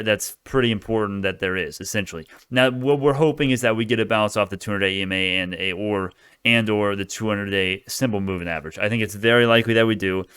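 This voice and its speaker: A man's voice: fairly low pitch, fairly bright tone, clear, resonant tone, no echo, clean studio sound. A man giving casual stock market commentary as a video host, talking in a brash, informal, profane crypto-bro way.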